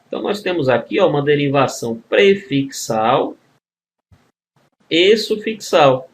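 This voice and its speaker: Brazilian man teaching grammar, slightly high voice. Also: big pitch swings, unhurried. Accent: Brazilian Portuguese. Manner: explains step by step, with constant tag questions; addresses students as a group. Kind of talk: recorded exam-prep video lesson.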